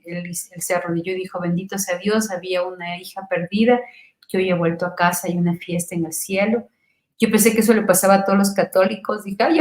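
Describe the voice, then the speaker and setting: A middle-aged Ecuadorian woman gives an emotional personal testimony, fervently swinging between near-shouts and soft murmurs. Her voice is lowish, and the recording is rough and reverberant.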